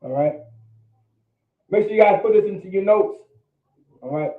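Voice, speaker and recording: At normal speed and with an animated, high voice, a man lectures a language class. He is emphatic, pressing his points, and often checks in with "all right?" to test understanding. Recorded in an echoey room, the audio sounds like a phone.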